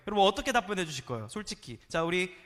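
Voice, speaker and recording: A man preaching a playful, animated sermon to a youth congregation, sometimes acting out voices and calling on the listeners to respond. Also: high-pitched, racing, big-room sound. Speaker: youth pastor. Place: church sanctuary.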